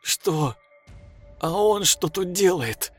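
A young man driven to desperation and grief, as a male narrator plays him. His voice rides higher than the narrator's own, husky and urgent, with wide swings in pitch. Soft music plays beneath. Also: lively intonation, slow, heavily acted. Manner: urgent, pleading, shouting.

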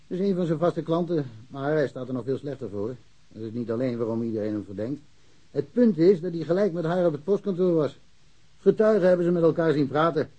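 A man's voice: on the high side, expressive, fairly quick, mellow, poor audio. An actor playing a talkative, blunt village policeman who speaks colloquially and with confidence in a naturalistic radio drama. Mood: informative, frank. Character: chatty, blunt village policeman, worldly-wise and sure of himself.

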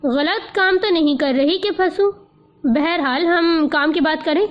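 A headstrong young married woman speaks in a pointed, insistent way, as a woman reads her. The voice sits high. The sound is dull and lo-fi, like a home audiobook recording. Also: soft background music.

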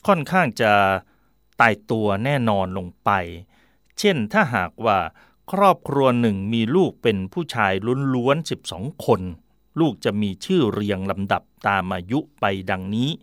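A man's voice: mid-range voice, very animated, moderate pace, a bit bright, no echo, studio quality. A man hosting a casual talk on history and language, explaining with examples in a chatty way. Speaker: radio host.

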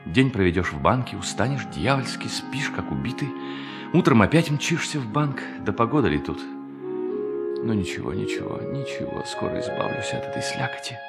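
An actor playing a bitter, lonely bank thief in hiding, in a theatrical radio play monologue that moves between muttering and solemn declamation. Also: male voice, fairly low pitch, lively intonation, moderate pace, over loud music. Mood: weary grumbling. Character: brooding fugitive bank thief, bitter, lonely, self-tormenting man.

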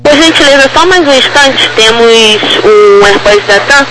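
A man's voice: very high-pitched, animated, moderate pace, music in the background. A man with a Brazilian accent working as an air traffic controller, giving procedural instructions over aviation radio. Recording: noisy aviation radio transmission.

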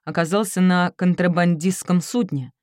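A woman's voice: fairly low pitch, steady tone, moderate pace, darkish tone, no echo, clean studio sound, lightly acted. A woman narrator voicing a polite, patient adult male American interrogator who questions a young man in a friendly, coaxing way.

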